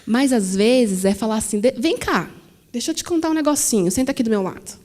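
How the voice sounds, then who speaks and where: São woman panelist, warm, mellow tone, conversational, tags questions, acts out quotes. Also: a little high, brisk. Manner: conversational, frequent tag questions, animated quoting. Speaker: panelist at a teachers' talk. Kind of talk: public talk answering questions. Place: museum auditorium.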